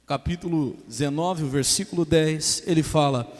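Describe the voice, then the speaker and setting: A man's voice: on the high side, moderate pace, big-room sound. A man preaching a sermon as pastor in a church, emphatic, calling for amens and mimicking his congregation.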